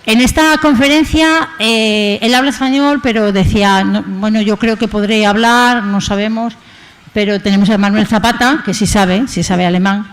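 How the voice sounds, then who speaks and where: A woman's voice: mid-range voice, fairly even intonation, normal speed. A woman hosting a conference opening, introducing the guest speaker in a chatty, rambling way. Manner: chatty, rambling, tag questions. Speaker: association host introducing the speaker. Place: conference hall.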